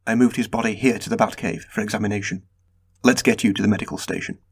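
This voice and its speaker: A man acting a loyal, dutiful older butler in a radio drama, formal, deferential and anxious for his master, with a husky voice. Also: on the low side, fairly even intonation, fast talker. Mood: grave, concerned.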